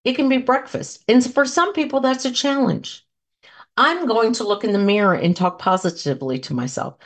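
A woman's voice: fairly high pitch, lively intonation, moderate pace. A woman in her fifties hosting a solo podcast, talking casually and encouragingly, rambling through anecdotes and asides to her listeners. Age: 50s. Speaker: podcast host and coach.

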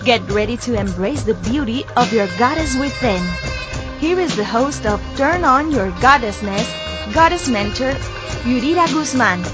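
A woman reading a scripted show intro as announcer, in a smooth, declamatory way. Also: fairly high pitch, lively intonation, normal speed. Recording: dull lo-fi with loud music behind.

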